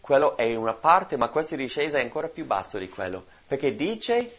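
A man's voice: mid-range voice, big pitch swings, a little fast, a bit bright, husky. A man teaching from the Bible in a sermon, explaining and asking his listeners questions. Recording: dull lo-fi recording.

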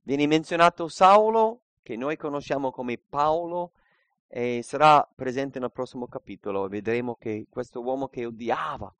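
A man preaching a sermon and reading scripture aloud, earnest, moving between quiet reflection and emphatic points. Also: medium pitch, expressive, normal speed, no echo.

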